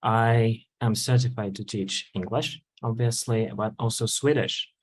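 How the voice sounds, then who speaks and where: A man from Russia, a teacher, introducing himself in a relaxed way on a video call. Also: fairly low pitch, a little slow, slight background noise.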